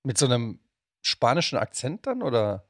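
Slightly husky male co-host, dry sound. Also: medium pitch, wildly swooping pitch, normal speed, fairly bright tone, dry recording. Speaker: podcast co-host, interviewer. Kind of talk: casual chat.

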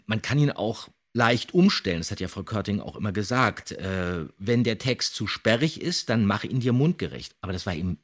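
Male podcast host, middle-aged, husky, with swooping, expressive delivery and an emphatic explaining style. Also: on the low side. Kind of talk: animated podcast discussion.

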